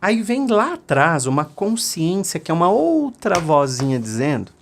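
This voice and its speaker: A man with a Brazilian Portuguese accent giving a motivational self-help talk, animated and storytelling. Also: fairly high pitch, normal speed, a little hiss or hum. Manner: animated storytelling, acts out voices in his stories.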